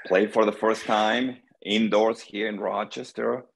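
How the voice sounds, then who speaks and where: A middle-aged man from Argentina, a guest player chatting relaxed on a video call from home, with many pauses. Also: fairly low pitch, gravelly, husky, poor audio. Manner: relaxed storytelling, many pauses and "um", gestures with hands. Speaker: guest, senior pro pickleball player. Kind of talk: casual video call interview. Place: small room indoors at home. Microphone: laptop webcam on video call.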